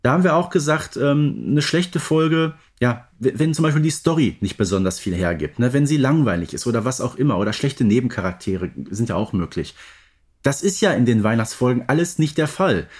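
A man's voice: medium pitch, lively intonation, fairly quick, a little mellow. A man co-hosting a podcast, talking casually and conversationally. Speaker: podcast co-host. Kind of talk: casual podcast chat about audio dramas.

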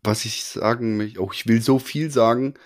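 A man co-hosts a relaxed podcast interview. His voice sits at an ordinary middle pitch, and his manner is playful and full of jokes. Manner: playful, joking, quick to laugh. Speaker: podcast co-host. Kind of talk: casual interview chat.

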